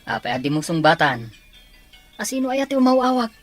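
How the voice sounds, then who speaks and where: A woman voicing a supportive, inquisitive young male buddy with a husky voice in an amateur audio drama. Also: lowish voice, very animated, brisk, soft background music. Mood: sympathetic, curious.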